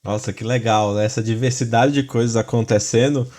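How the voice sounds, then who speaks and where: A man's voice: medium pitch, fairly even intonation, brisk, a little mellow. A man hosting a podcast, introducing his guest and asking questions in a friendly, upbeat way. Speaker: podcast host. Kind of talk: podcast interview.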